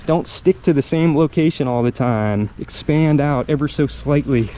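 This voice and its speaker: Fairly high in pitch yet dark in tone, this man's voice moves at normal speed as he vlogs metal detecting in a park. He chats in a relaxed, slangy manner, thinking aloud while he looks around. Clear park ambience fills the background.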